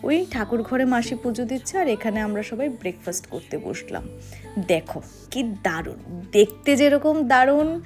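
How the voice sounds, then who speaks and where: A young woman from Agartala chatting to her viewers as she vlogs her day and tells little stories. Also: fairly high pitch. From Agartala, Tripura, India. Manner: chatty, warm storytelling to viewers. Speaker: vlogger. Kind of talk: casual vlog narration.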